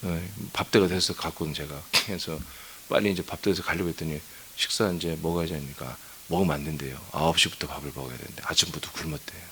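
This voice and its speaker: A man's voice: very deep voice, fairly even intonation, quick pace, bright, forceful tone, a little hiss or hum. A male pastor preaching at a dawn church service, telling a story in a chatty way and scolding with humor. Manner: asks the congregation for answers. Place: church sanctuary.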